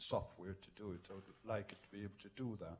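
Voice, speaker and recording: The man's voice is somewhat breathy. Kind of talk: talk at a panel event. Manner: halting.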